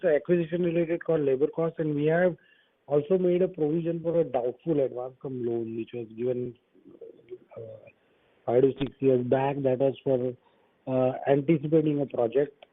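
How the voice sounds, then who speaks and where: A man answers as an executive on an earnings call. His pitch is a bit high and he repeats words as he goes. The line is dry and phone-thin. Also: normal speed, dry recording, narrow, tinny audio. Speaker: company executive answering analysts.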